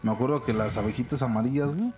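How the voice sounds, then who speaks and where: A man's voice: mid-range voice, very fast, soft background music. Slangy young Mexican man. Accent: Mexican Spanish. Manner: crude slang-heavy, animated anecdotes. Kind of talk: casual chat, storytelling.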